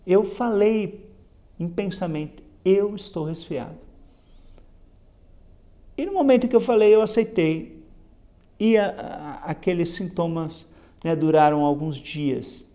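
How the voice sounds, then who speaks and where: A man's voice: high voice, animated, slow, long pauses, warm tone. A man explaining a Bible lesson in a reflective way, reading passages aloud and adding "né?" as he goes. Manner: reflective, repeats "né?" often, reads passages then explains. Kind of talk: spoken Bible lesson commentary.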